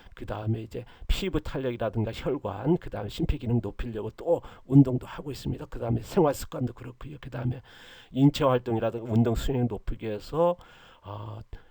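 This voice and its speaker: A man's medium-pitched, somewhat breathy voice with a dark, mellow tone, ordinary pitch variation, big swings in loudness and a fairly quick pace. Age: 60s. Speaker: farmer. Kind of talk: casual talk to camera. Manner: halting, many fillers.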